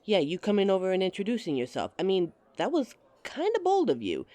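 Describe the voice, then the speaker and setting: A woman's voice: mid-range voice, wildly swooping pitch, fairly quick, mellow, no echo. A woman playing a giggly, teasing date. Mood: friendly. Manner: teasing and giggly, laughs often. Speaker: voice actress in an audio roleplay. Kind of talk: audio roleplay addressing the listener as a date.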